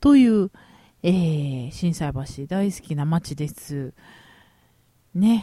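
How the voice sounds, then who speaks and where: A woman's fairly low, dark and mellow voice, somewhat breathy, at a very slow pace with long, frequent pauses, lively intonation and big swings in loudness. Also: very clean recording, silent background. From Osaka (Shinsaibashi). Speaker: podcast host, food reviewer. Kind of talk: casual solo monologue.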